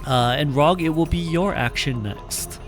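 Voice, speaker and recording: A man running an online tabletop game as game master, narrating a scene in a halting way, full of fillers. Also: a little high, faint music behind.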